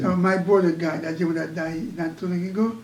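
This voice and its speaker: In audible room echo, a man speaks at a high pitch. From Haiti (Port-au-Prince). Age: 80s+. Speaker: war veteran. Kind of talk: interview. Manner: halting, with fillers.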